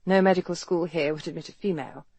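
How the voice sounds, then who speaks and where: A woman reading a crisp, proud lady doctor. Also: fairly low pitch, steady tone, fast, warm tone, no echo. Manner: crisp and guarded.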